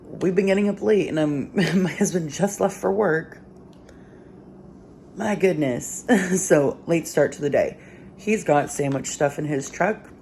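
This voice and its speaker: Low-voiced chatty mom vlogging at home. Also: female voice, unhurried, vocal fry, slight background noise. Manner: chatty and rambling, many fillers, soft-spoken at times while the baby sleeps. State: sleepy, yawning. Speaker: vlogger, mother of several children. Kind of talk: casual home vlog chat. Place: home kitchen, indoors.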